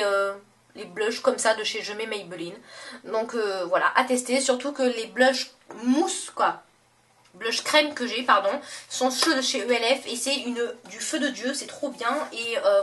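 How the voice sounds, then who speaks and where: A young woman with a fairly high voice gushes over her beauty products in a relaxed, chatty vlog. She trails into fillers and corrects herself often. Her voice sounds a little distant from the camera mic. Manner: chatty and gushing, many fillers and self-corrections. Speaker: beauty vlogger. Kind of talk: casual makeup haul vlog.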